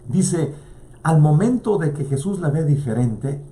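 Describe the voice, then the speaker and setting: A man's voice: a little high, lively intonation, a little slow, warm tone. A male priest preaching a sermon with passion, his voice rising and dropping as he quotes scripture. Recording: echoey room.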